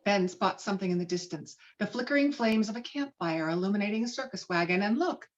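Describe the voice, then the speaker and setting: A woman reading screenplay stage directions with dramatic, expressive delivery over a video call. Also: mid-range voice, fast, lo-fi sound. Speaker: stage directions reader at a table read.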